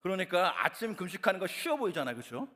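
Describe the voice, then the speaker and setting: A man delivers a sermon with a high, bright voice that leaps up and down as he tells his story. He peppers the congregation with rhetorical questions in an animated way. The sound carries the long reverb of a large church hall. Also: fast talker. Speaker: preacher.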